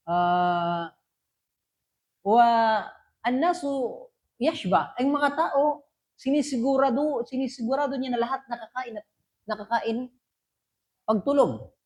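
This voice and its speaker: A woman with a fairly high voice tells a story as part of a religious lesson. She recites short Arabic lines and then explains each one in an easy, conversational way. She asks rhetorical questions to keep her listeners with her. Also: darkish tone, low-quality recording. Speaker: Islamic teacher.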